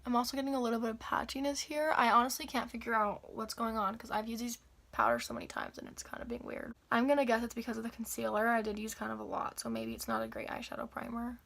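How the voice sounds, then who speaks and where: A young woman with a raspy, slightly hoarse voice after the flu, chatting casually through a makeup tutorial. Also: a little high, animated, fast talker, fairly bright tone, faint music behind. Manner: chatty, upbeat, filler-heavy. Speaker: beauty vlogger.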